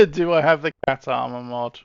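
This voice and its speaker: A man's voice: on the high side, normal speed, vocal fry, clear, resonant tone, no echo, muffled recording. A man casually chatting with his live-stream audience while setting up soldiers in a game, often trailing off and restarting.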